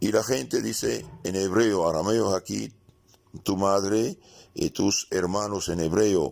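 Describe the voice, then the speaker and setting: With a Middle Eastern accent, the speaker talks at a fairly slow pace on a very clean recording with a silent background. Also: man. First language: Aramaic (speaking Spanish). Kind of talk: sermon. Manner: halting, with repetitions and fillers.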